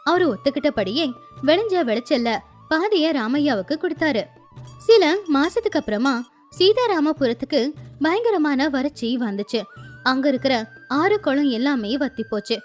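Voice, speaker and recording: A woman narrating a children's moral story in a lively, sing-song storytelling manner. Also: high voice, moderate pace. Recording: faint music behind.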